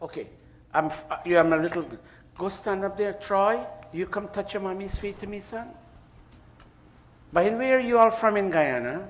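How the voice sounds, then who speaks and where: A man's voice: high voice, normal speed. A man leading a temple ceremony, giving the congregation live directions with joking, apologetic asides.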